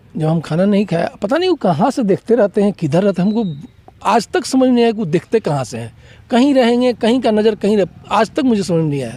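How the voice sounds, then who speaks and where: A high-pitched man speaks at a moderate pace with lively intonation, in a dry, close sound with no echo and noticeable background noise. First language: Bhojpuri (speaking Hindi). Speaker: film actor. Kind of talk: interview.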